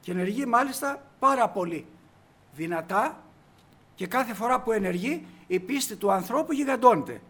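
Male preacher with a high voice, delivering a sermon with force and rhetorical questions. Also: animated, fairly bright tone. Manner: emphatic, asks the congregation rhetorical questions.

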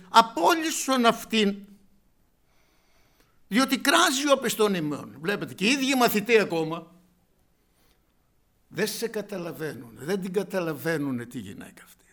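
A man preaching a sermon, calling out loudly and then dropping to a hushed whisper, addressing his listeners as brothers and sisters. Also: fairly high pitch, creaky. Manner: swings from loud exclamations to hushed whispers. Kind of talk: evangelical sermon.

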